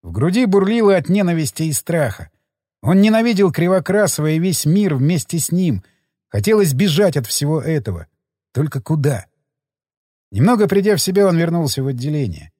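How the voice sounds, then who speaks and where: A man reading an audiobook in a dramatic, expressive scripted narration. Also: on the high side, brisk, no room sound, clean studio sound.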